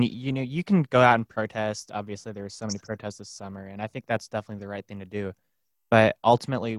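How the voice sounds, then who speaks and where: A man's voice: lowish voice, dry recording. A young man interviewing his guest in a casual, reflective way, thinking aloud with fillers.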